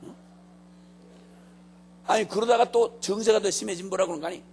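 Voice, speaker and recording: A man preaching a sermon, dramatic, acting out quotes and breaking into sudden shouts. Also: sits high, brisk, husky. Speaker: pastor.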